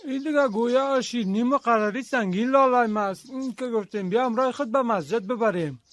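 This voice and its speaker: High-voiced, respectful young village man. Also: fairly bright tone, no room sound. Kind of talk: radio drama dialogue. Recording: faint background noise.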